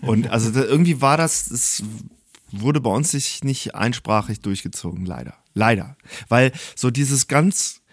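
A man's voice: medium pitch, expressive, unhurried, no echo. Hesitant German man, dry close sound. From Germany, Hamburg. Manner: hesitant, repeats words while searching for them. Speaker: guest. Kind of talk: casual interview chat.

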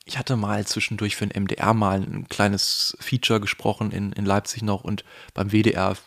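A man from the Palatinate region of Germany with a faint Palatinate German accent, a voice actor speaking thoughtfully in a relaxed interview, pausing often with fillers. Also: lowish voice, vocal fry. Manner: thoughtful, hesitant, many fillers. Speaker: guest, voice actor. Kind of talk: casual conversational interview.

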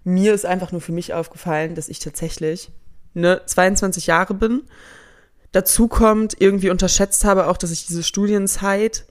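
A woman in her early twenties talks casually as a podcast co-host. Her voice sits a little low for a woman. She is relaxed and chatty, often trailing off and restarting her sentences. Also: normal speed. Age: 20s. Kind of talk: casual chat.

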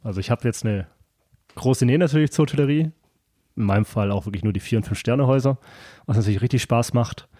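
Man, podcast host, warm mellow tone, dry close sound, chatty, eager. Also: mid-range voice, fast, dry recording. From southern Germany. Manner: chatty, eager, frequent affirmations. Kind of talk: casual interview chat.

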